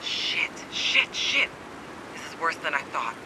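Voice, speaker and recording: A guarded game survivor on edge, with a fairly high voice. The delivery is blunt, cynical and urgent. A clear low rumble runs under the speech. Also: male voice, big pitch swings, slow pace. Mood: agitated. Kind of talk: dramatic video game acting.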